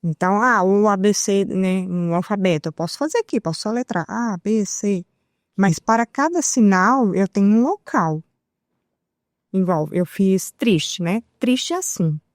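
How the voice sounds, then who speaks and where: Woman, Brazilian Portuguese accent, talk show guest, lively, demonstrative, mid pitch. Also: measured pace, no room sound, clean studio sound. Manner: lively, demonstrates examples as she talks. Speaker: guest, sign language interpreter. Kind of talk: explanatory talk show conversation.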